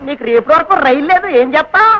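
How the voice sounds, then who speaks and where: An actor playing a chatty village police constable who banters and teases in a rustic dialect, on an old film soundtrack. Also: male voice, very high voice, expressive, quick pace, muffled recording, crowd noise. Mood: teasing. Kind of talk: comic film acting.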